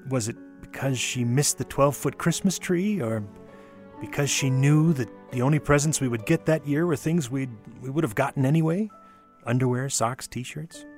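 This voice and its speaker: A male storyteller with a mid-high voice gives a dramatic reading of a nostalgic memoir. He paces it deliberately, leaving pauses and leaning on key words. Faint music plays behind him. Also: a little mellow. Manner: measured, with deliberate pauses and emphasis.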